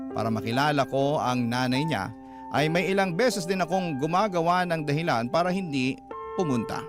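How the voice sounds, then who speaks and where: A man's voice: medium pitch, lightly acted. A man playing a gay salon worker who recounts a life story in scripted radio drama narration. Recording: music bed under the voice.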